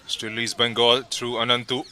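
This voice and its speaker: A man calls a football match live, his voice very bright and clear-edged. He speaks at an ordinary middle pitch and keeps an even, measured rhythm, naming each player as the ball moves. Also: slight background noise. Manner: steady, measured calls with brief pauses between names. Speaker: football commentator. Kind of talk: live play-by-play commentary.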